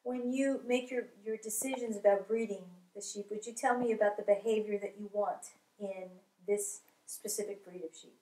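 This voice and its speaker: A woman interviewer asking slow, careful questions from off camera. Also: mid-range voice, steady tone, warm tone, reverberant, poor audio.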